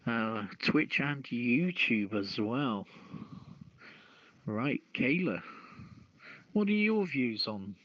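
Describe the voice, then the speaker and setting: A man hosting a casual talk show and reading out news in a halting way, on a dull lo-fi voice chat. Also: medium pitch, lively intonation, no echo. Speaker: host.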